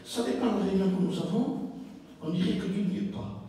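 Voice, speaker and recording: A man preaching a sermon as pastor, acting out little dialogues in an animated way. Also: high-pitched, a little fast, crowd noise. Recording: echoey hall, recorded from far off.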